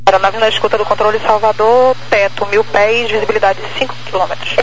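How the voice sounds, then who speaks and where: A man's voice: high-pitched, steady tone, a little fast. A man speaking terse, procedural air traffic phraseology over a radio transmission. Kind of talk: clipped aviation radio phraseology. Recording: muffled, very noisy aviation radio.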